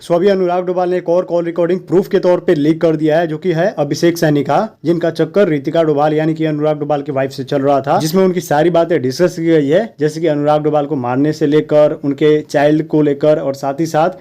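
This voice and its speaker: Mellow, higher-pitched Indian male narrator. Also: steady tone, a little fast, few pauses. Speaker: YouTube news narrator. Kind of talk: scripted gossip news narration, code-mixed.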